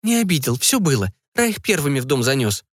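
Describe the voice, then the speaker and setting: Guy doing a chill young woman, soft and sure, dry sound. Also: mid-range voice, sing-song, fairly quick, no echo. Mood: calm. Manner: confident, soft, reasonable. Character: calm young woman, the daughter.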